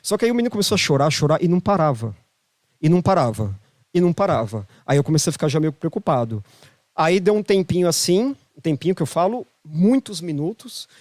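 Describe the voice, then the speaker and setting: A man with a Brazilian Portuguese accent tells a story as a guest in a casual podcast chat. His voice sits fairly high, and he leans on emphatic repetition to drive his points home. The sound is dry and close, with no room around it. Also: big pitch swings, quick pace, a little mellow, dry recording. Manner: emphatic, repeats phrases for emphasis. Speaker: podcast guest, holistic therapist.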